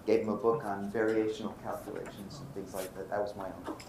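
An older man from Brooklyn giving a university physics lecture, animated and often checking in with his students. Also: fairly low pitch, fast, creaky. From Brooklyn, New York. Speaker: physics professor. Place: lecture hall. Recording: roomy lecture hall, faint noise.

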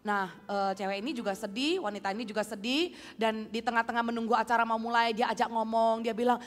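High-voiced woman preaching in a reverberant hall. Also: steady tone, fast talker. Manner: acts out characters, mixes English phrases. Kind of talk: sermon storytelling. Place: church hall.

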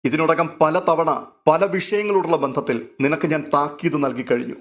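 Stern old grandpa lecturing firmly , read by a man narrator, kinda high voice. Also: steady tone, normal speed, lightly acted. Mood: scolding. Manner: scolding, firm and formal. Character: stern elderly grandfather, family patriarch.

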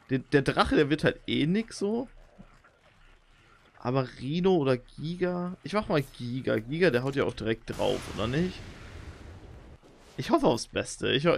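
A young man doing live, excitable commentary on his own gameplay, talking straight to his viewers. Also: creaky. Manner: excitable, talks to viewers, jumps into high squeals when excited. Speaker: let's play gamer.

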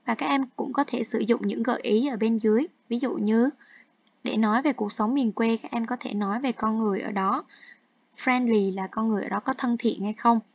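A woman's voice: on the high side, steady tone, brisk, gravelly, no room sound. Woman teacher walking students through exercises. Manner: explains each task step by step, switching between Vietnamese and English terms. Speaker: English teacher. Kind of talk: online textbook lesson walkthrough. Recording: dull, dry lo-fi recording.

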